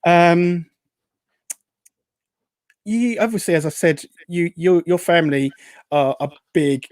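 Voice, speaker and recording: Host doing a casual live chat, rambly and upbeat, mid pitch, dry close sound. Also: slow, a little mellow, dry recording. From Essex, England. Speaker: show host. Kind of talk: casual live chat hosting, reading out viewer comments.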